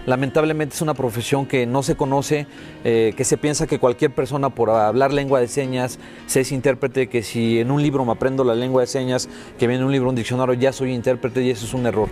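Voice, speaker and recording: Fast-talking Mexican man explaining earnestly. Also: medium pitch, steady tone, a little mellow, faint music behind. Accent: Mexican Spanish. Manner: earnest, explanatory, many "eh" fillers. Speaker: sign language interpreter. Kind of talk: interview guest, voicing interpretation.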